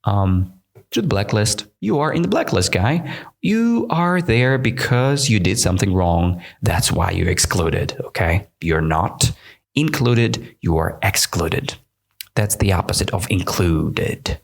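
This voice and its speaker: A man's voice: fairly low pitch, expressive, unhurried, gravelly. A man from Russia with a Russian accent, hosting an English-learning podcast and explaining words in a chatty way, often asking "right?". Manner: chatty, keeps checking with "right?". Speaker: English teacher, podcast host. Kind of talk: explaining vocabulary while reading comments aloud.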